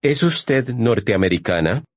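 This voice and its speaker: A man modeling short phrases in a language course, saying each one slowly and clearly for learners to repeat. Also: medium pitch, big pitch swings, no room sound, clean studio sound. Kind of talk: slow, careful phrase repetition.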